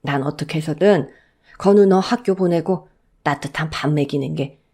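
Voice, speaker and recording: A woman voicing a poor, gentle old grandfather who speaks low and resigned in a Korean audio story. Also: moderate pace, breathy edge. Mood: sorrowful.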